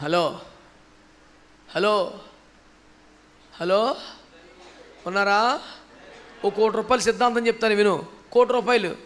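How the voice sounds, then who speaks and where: A man preaching with a strikingly high voice. He speaks in a teasing, everyday way and keeps urging the congregation to answer loudly. His delivery climbs into fervent shouts. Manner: teasing, colloquial, calls for loud responses, builds to shouting. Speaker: pastor. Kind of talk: sermon.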